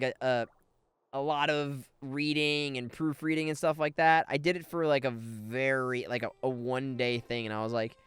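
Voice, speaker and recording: A man's voice: medium pitch, fairly bright tone, clear, resonant tone. A man live streaming a video game, chatty and informal, sometimes stumbling as he reads aloud, with game music behind.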